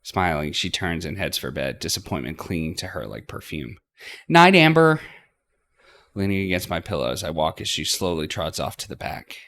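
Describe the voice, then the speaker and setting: A man reading a visual novel aloud as expressive first-person narration for a let's play. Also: very deep voice, brisk, few pauses. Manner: acts out dialogue between narrated passages.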